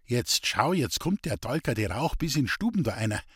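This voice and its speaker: A man's voice: mid-range voice, very animated, normal speed, a bit bright, breathy edge, no room sound, clean studio sound, heavily acted. A man voicing a sturdy young forest worker who talks brusquely and firmly. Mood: awkward. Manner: brusque, firm, awkwardly cheerful.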